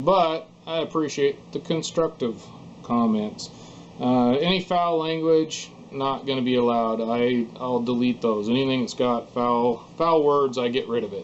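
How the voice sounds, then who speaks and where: A man mumbles at a fairly slow pace, his pitch medium. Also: ordinary pitch variation. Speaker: hobbyist DIY YouTuber. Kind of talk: casual direct-to-camera talk. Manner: mumbling.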